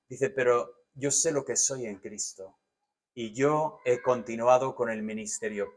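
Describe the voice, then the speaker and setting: A man with a Spanish accent from Spain preaching a sermon as pastor, animated, swinging between loud emphatic lists and soft, low asides. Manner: animated, varies loudness widely, drops to soft asides.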